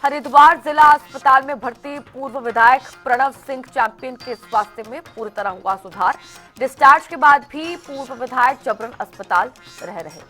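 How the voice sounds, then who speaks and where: Bright-voiced woman reading news headlines. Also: high voice. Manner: brisk headline delivery. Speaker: news anchor. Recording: faint music bed behind.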